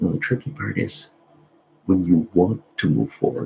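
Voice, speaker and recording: A soft-spoken man at a very slow pace, amid noticeable background noise. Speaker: entrepreneur vlogger. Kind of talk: casual vlog monologue. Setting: indoors at home. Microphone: laptop.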